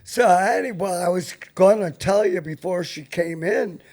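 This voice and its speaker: Slow, high-pitched older American man hosting. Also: darkish tone. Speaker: talk show host. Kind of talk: casual chat.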